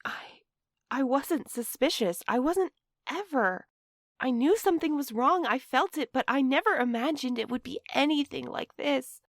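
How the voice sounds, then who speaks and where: A woman's voice: high voice, animated, moderate pace, dry recording, clean studio sound. An actress playing a guarded, exasperated and sarcastic woman in an audio drama, speaking bluntly. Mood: hurt, stunned. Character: exasperated, guarded, sharp-tongued woman facing her double. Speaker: fiction podcast actor.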